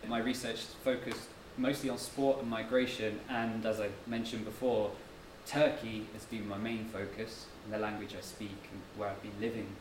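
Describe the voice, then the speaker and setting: A man's voice: fairly low pitch, flat delivery, normal speed, hardly any pauses. Man giving a lecture in an echoey room. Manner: modest, slightly self-deprecating, conversational. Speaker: guest speaker, author and anthropologist. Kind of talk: public lecture. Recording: echoey room from far off, noisy.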